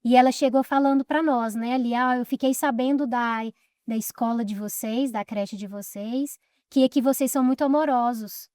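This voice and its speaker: A woman's voice: fairly high pitch, steady tone, normal speed, a little mellow, no echo, studio quality. A woman telling an anecdote in a casual podcast chat, dropping in English words.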